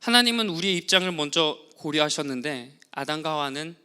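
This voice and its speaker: A man's voice: on the high side, animated, a little fast, pushed and bright, clear, resonant tone. A man preaching a sermon as pastor, telling the story and acting out quoted words.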